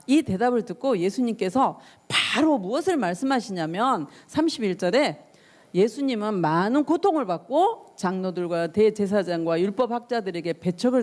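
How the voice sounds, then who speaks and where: A woman's voice: medium pitch, a little mellow. A woman pastor giving a youth sermon. She reads scripture, then explains it in a conversational way and asks her listeners questions.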